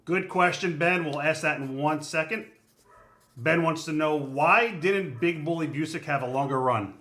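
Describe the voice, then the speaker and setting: A man hosting a live autograph stream, pitching items to viewers with upbeat salesman patter. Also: normal speed, pushed and bright, echoey room. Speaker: host of a signing stream.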